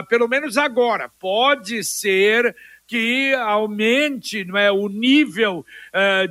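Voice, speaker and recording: A man's voice: extremely high pitch, bright, forceful tone, no room sound. A man presenting weather and local news informally on radio, with conversational asides.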